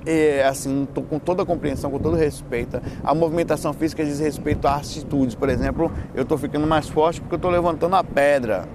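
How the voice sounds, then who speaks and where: A man with a Bahian Brazilian accent and a slightly high voice talks in a loose, casual chat. He is playful and slangy, often breaking off and restarting his sentences. Traffic and street noise are clearly heard behind him. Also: steady tone, fast, hardly any pauses. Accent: Bahian Brazilian Portuguese. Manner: colloquial, slangy, playful, with repeated false starts and self-interruptions. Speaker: speaker answering audience questions on spirituality and lifestyle.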